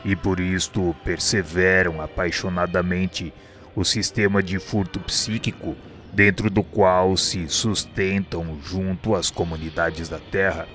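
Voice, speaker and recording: A man with a Brazilian accent playing a calm, solemn spirit instructor in a radio drama, speaking in a measured, respectful, didactic way. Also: low-pitched, faint music behind. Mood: solemn, instructive.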